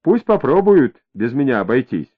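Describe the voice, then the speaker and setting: A man voicing a capricious young woman who drifts between dreamy drawling and sharp, greedy retorts, in an audiobook reading with a tinny, phone-like sound. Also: medium pitch, big pitch swings, normal speed.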